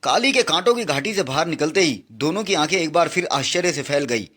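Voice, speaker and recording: A man's voice: on the high side, lively intonation, a little fast, pushed and bright. A man reading a comic book aloud with dramatic, exclamatory narration.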